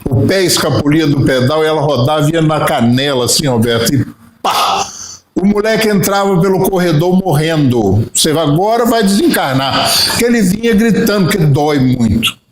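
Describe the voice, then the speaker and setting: A man's voice: a little high, expressive, a little fast, echoey room, a crowd in the background, poor audio. A man with a Brazilian Portuguese accent giving a spiritist lecture, telling stories and acting out little dialogues. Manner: storytelling with acted-out dialogue.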